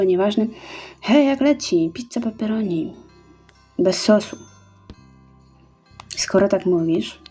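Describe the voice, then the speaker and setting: Mellow-voiced woman chatting through a game. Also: medium pitch. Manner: chatty, reads orders aloud and counts out steps. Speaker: gaming YouTuber. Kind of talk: casual let's-play commentary.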